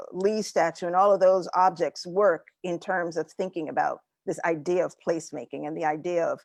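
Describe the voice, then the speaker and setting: A woman's voice: on the low side, gravelly, dry recording, clean studio sound. A woman moderating a panel discussion, asking long probing questions that stall on repeated words.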